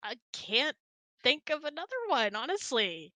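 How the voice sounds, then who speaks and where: Woman, bright voice, casual chat, giggly, hangout host, dry recording. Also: high-pitched, very animated, unhurried, dry recording. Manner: giggly, laughs often while talking. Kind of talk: casual chat, answering audience questions.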